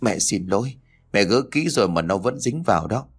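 A man voicing a gentle, patient old grandmother who speaks softly and humbly. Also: fairly low pitch, lively intonation, normal speed, breathy edge, faint music behind. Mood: pleading. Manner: soft, pleading, humble.

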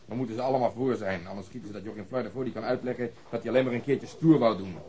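An actor plays a gruff male detective in a radio play. His voice sits at a middle pitch. He is blunt, coarse and mocking, and likes to give orders. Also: very fast, dark tone, lightly acted. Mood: irritated, commanding. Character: gruff, bossy, sarcastic male police detective.

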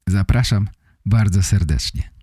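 Slow, mellow male podcast host. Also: low-pitched, husky, dry recording, clean studio sound. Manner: deliberate phrasing in short simple sentences. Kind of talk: clear explanatory monologue for language learners.

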